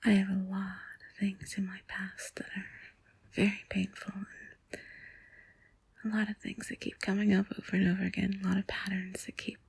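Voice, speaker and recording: A woman whispering softly and intimately in a breathy, husky voice, close to the mic, confiding in a rambling ASMR monologue. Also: mid-range voice, completely flat delivery, normal speed, long pauses, no room sound. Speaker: intimate audio host.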